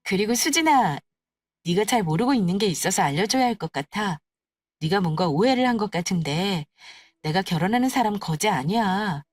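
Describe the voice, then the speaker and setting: A woman playing a patient, polite, quietly confident young bride-to-be in an audio story, with composed and gentle phrasing. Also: medium pitch, no echo, studio quality. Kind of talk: acted dialogue in an audio story.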